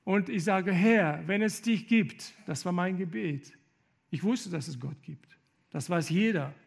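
A man preaching with fervor, his voice pitched high and carrying a gravelly edge. He builds to loud, emphatic appeals and often stumbles into halting restarts, mixing sermon with personal testimony.

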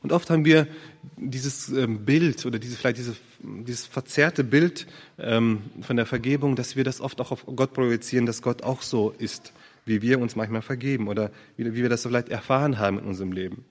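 A man preaching a sermon in an earnest, searching way, often pausing with fillers and restarting his sentences. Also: medium pitch, long reverb tail.

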